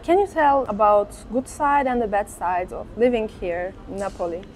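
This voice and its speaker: A woman's voice: medium pitch, moderate pace, a little mellow, slight background noise, poor audio. A woman interviewer asking short, simply worded questions in imperfect English.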